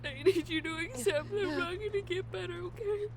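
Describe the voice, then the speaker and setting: A woman playing a wounded, devoted reaper demigod in an audio drama, crying and halting through pain. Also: extremely high pitch, a crowd in the background. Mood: pleading, strained. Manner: tearful, halting, strained speech with stammered repeats.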